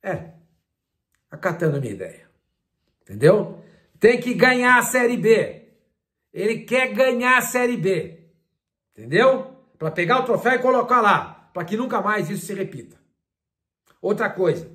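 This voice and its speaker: Animated Brazilian man telling a story. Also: high voice, normal speed, pauses often. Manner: animated storytelling, retelling conversations. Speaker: sports journalist and commentator. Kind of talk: casual talk-to-camera commentary.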